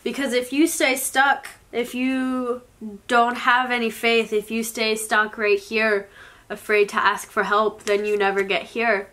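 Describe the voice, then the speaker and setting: A young woman in her twenties gives a slow, reflective tarot reading, sounding sniffly from a cold. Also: mid-range voice. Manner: soft, slow and reflective, with occasional small laughs. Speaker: tarot reader. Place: indoors, in front of a floral blanket.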